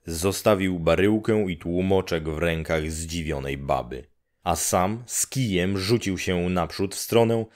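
A man narrating a classic story for an audiobook in a calm, measured storytelling manner. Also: low voice.

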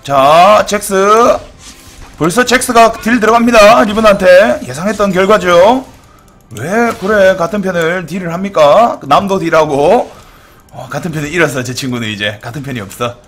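A man giving casual, jokey commentary on a game replay, mock-dramatic, swinging between excited shouts and low mutters. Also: normal speed, soft background music.

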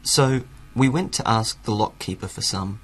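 A man reading a storybook aloud slowly and clearly for English learners. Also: fairly low pitch. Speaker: story reader.

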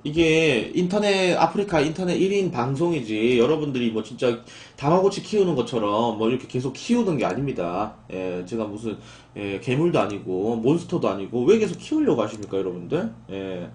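A young man chatting casually on his live stream, reading messages and answering his viewers with quick complaints that turn exasperated. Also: mid-range voice, big pitch swings, a little mellow, reverberant. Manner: talks back to chat, rising into exasperated outbursts.

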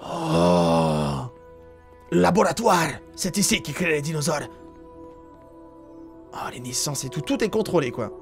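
A man with a French accent giving casual let's-play commentary, chatty and excitable, thinking aloud with lots of fillers. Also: on the high side, normal speed, pauses often, music in the background. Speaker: gaming YouTuber.

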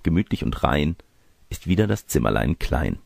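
A man with a low, husky voice reads a storybook tale as an audiobook narrator. His delivery is expressive and animated, recorded dry and close. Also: normal speed, dry recording.

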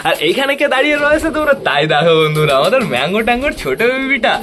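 A man's voice: very high-pitched, very animated, very fast, pushed and bright. A man vlogging about his pet pigeons in a casual, chatty way, talking to viewers and coaxing his birds. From West Bengal, India. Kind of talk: casual vlog narration.

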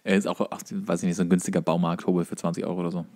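Male co-host for casual talk, slightly low voice, brief and offhand delivery. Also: little pitch movement, rapid-fire, a little mellow. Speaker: podcast co-host. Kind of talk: casual chat.

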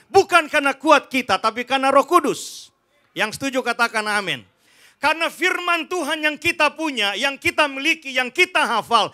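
A man in his forties preaches from a large church stage, his voice strikingly high and bright. He speaks emphatically into a handheld mic, addressing the congregation and acting out his points. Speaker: pastor. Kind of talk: sermon.

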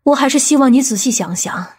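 A woman playing a stern, authoritative aunt in an audiobook, speaking in a firm, measured, commanding manner. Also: high-pitched, expressive, a little mellow, husky. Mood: stern, insistent. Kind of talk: audiobook character acting.

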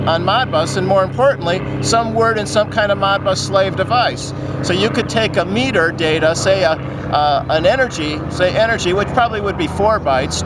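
A middle-aged man talking loosely to camera outside a stadium, with many restarts. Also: sits high. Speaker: company host. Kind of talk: casual on-location talk to camera. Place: outdoors in front of a stadium. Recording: noisy outdoor recording, slightly distant mic.

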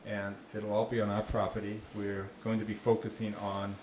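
His voice is lowish and a little mellow, delivered completely flat at normal speed. He's a Boston-accented park ranger giving a chatty informal talk with audience questions on a handheld mic, restarting often and cracking dry jokes, in a small dark meeting room with a slide screen. The room sounds echoey, with faint noise.

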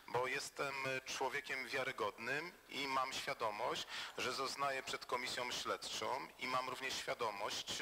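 A man gives testimony at an official hearing in a bright, forward voice. He sounds formal and guarded, pausing often and addressing the chair with stiff courtesy. Faint noise sits under the voice. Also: mid-range voice. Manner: formal and defensive, repeats honorifics, hesitant fillers. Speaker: witness before an inquiry committee. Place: parliamentary hearing room.

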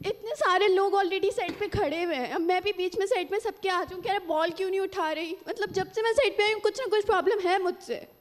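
A woman's voice: very high-pitched, a little fast, hardly any pauses. A young woman contestant with a Pakistani Urdu accent, crying and complaining on a game show. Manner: upset, complaining.

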